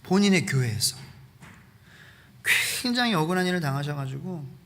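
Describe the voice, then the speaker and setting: A man pastor preaching a sermon, animated, acting out quotes and asking the congregation questions, in a reverberant church hall. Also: a little high, normal speed. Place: church sanctuary.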